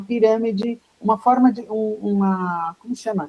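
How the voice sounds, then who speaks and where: A woman speaks with a fairly high pitch and a somewhat breathy quality. Her tone is dark and mellow, and her intonation is lively. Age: 60s. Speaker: psychologist, former headhunter, ageism specialist. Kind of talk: videocast interview.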